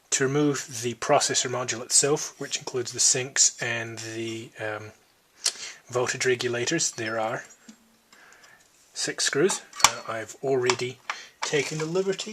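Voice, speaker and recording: A man speaks at medium pitch and a fairly slow pace, with ordinary pitch variation. Long, frequent pauses break his speech over noticeable background noise. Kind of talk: technical walkthrough of computer hardware. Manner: soft-spoken, slow, hesitant.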